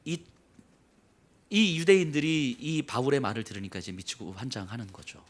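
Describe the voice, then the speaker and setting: A man preaching a sermon as pastor, telling a story with acted-out quotes and dropping to soft, low emphasis. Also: normal speed.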